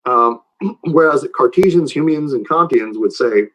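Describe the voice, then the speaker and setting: A man's voice: medium pitch, animated, moderate pace, fairly bright tone, low-quality recording. A man lecturing informally and taking questions, explaining in a conversational way and often checking that listeners follow.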